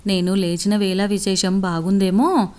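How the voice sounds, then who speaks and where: A woman's voice: medium pitch, level tone, measured pace, a little mellow, lightly acted. A good-humored middle-aged father who jokes easily, as a woman reading the story puts him on. The voice is not changed much from the reader's own. It is a storybook reading. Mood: joking.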